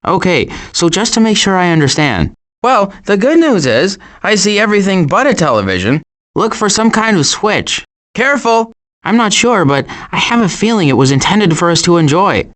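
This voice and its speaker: A man voicing a cautious, anxious adult male turtle in an animated video game, fretful and wry with deadpan sarcasm and stammers. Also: sits high, normal speed. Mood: dry, worried.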